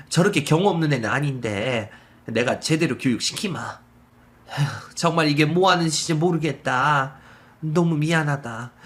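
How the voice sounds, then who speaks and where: A man's voice: fairly high pitch, fairly bright tone, pitched above the performer's own voice. A man voicing a firm, caring older mother-in-law who scolds emphatically in a narrated story. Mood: apologetic.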